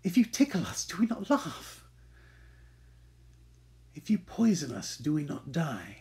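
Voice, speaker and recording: A man's voice: on the high side, very animated, measured pace, darkish tone. A man playing an aggrieved, vengeful Shakespearean moneylender in an intense, theatrical stage monologue. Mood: wounded, insistent.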